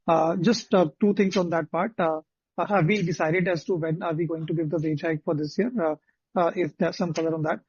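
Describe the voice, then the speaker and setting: High-pitched, husky male analyst. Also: darkish tone, dry recording. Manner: polite, hesitant, repetitive. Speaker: analyst asking questions. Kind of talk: unscripted question on earnings call. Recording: dry but muffled phone conference audio.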